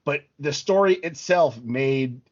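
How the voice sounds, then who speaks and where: A man's voice: on the high side, takes it slowly, a little mellow, dull audio. A man co-hosting a podcast in casual, informal chat with plenty of swearing. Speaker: podcast co-host.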